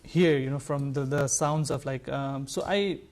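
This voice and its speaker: A male folk musician with a Nepali accent speaks in a casual interview, his pitch in the middle range. He talks haltingly, circling through fillers as he explains himself. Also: a little mellow, slight background noise. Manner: hesitant, halting delivery full of like and you know. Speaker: folk musician, sarangi player, guest; music educator.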